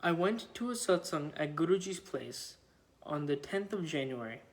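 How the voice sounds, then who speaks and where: A man reading a written devotional account aloud in a measured, halting way. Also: on the high side, animated. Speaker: reader of devotional testimonies.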